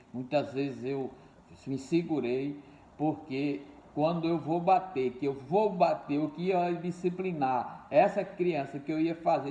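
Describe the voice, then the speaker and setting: A man's voice: medium pitch, mellow. An older man preaching a sermon, repeating key words and calling his listeners dear ones and brothers. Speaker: pastor. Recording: echoey room, dull lo-fi sound.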